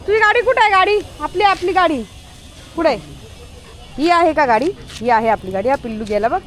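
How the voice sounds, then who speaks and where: A woman's voice: high voice, lively intonation, brisk. A woman, talking to her pet dog outdoors in a coaxing, repetitive, sing-song way. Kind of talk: casual coaxing talk to a dog.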